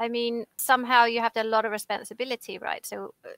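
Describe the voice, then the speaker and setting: A woman with an English accent talks at a moderate pace in a flat monotone, recorded dry and close with no echo. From England. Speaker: online English tutor and IELTS examiner. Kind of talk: mock exam interview and feedback. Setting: video call. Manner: halting, with filler words.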